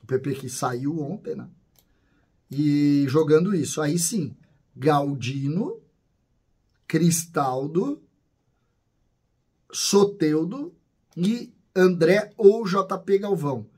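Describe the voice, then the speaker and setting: A man's voice: fairly high pitch, lively intonation, takes it slowly, long pauses, dark tone, slightly rough. A man, talking casually to camera about a football team from a small home studio, listing names and asking himself questions. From southern Brazil. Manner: conversational, lists names, asks rhetorical questions. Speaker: football commentator. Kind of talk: casual solo commentary to camera.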